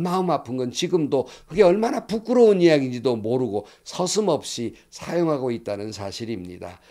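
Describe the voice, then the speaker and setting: A man's voice: medium pitch, a little mellow. A middle-aged man from Korea, a pastor preaching a sermon in an earnest storytelling manner, quoting dialogue aloud.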